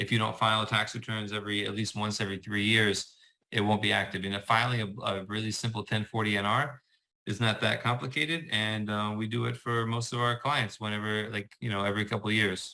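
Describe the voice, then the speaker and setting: Fairly quick and fairly even in intonation, a man speaks with a fairly low pitch. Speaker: tax accountant. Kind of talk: live Q&A answer. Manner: fast.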